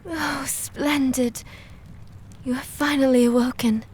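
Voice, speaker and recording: A woman playing a gentle, doting maid in an audio drama, speaking formally and courteously. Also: high voice, fairly even intonation, slow pace, a little hiss or hum. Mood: tender, delighted. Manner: formal, courteous, softly solicitous. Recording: music behind the voice.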